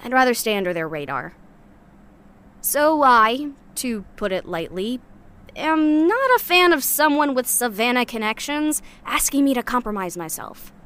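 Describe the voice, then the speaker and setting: A woman's voice: on the high side, sing-song, a little slow, fairly bright tone, clean tone. A woman playing a guarded, cynical young scrap scavenger in a sci-fi audio drama, talking bluntly and casually with sardonic bite. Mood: exasperated, sarcastic. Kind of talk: audio drama monologue, naturalistic.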